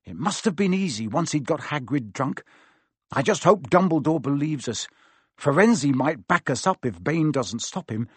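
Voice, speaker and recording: An anxious, determined schoolboy wizard pressing his point with frantic urgency, as a man reads him. The voice is pushed higher than the reader's own, with lively swings in pitch. It is recorded dry and close. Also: normal speed, breathy edge, dry recording. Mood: urgent.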